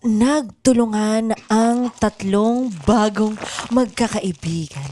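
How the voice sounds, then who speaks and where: A woman's voice: mid-range voice, takes it slowly, warm tone, slight background noise. A woman narrating an improvised radio drama in a storytelling style.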